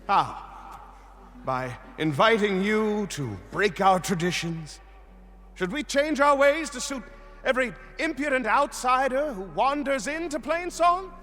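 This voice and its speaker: An actor playing a haughty, scornful tribal traditionalist in a video game, with pompous, dismissive, measured speech. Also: male voice, extremely high pitch, expressive, bright, forceful tone, faint music behind, heavily acted. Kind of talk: theatrical video game acting.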